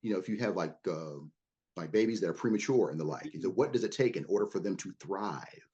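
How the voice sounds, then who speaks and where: A man with a lowish, husky voice talks earnestly as a podcast guest, circling back over his words as he builds each point. The audio sounds a bit muffled and lo-fi. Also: expressive, quick pace, mellow. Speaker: guest, leadership consultant. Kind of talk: conversational podcast interview.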